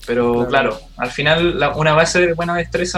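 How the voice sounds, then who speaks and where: Music in the background under a man's fairly quick speech. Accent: Chilean. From southern Chile, Vilcún near Temuco. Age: 20s. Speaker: fitness trainer and parkour coach. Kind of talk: casual chat.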